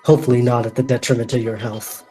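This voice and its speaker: A man's voice: medium pitch, little pitch movement, fast talker, a little mellow, faint music behind, poor audio. A man playing a tabletop game, talking in character in an earnest, reassuring way. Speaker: player. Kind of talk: in-character tabletop role-play.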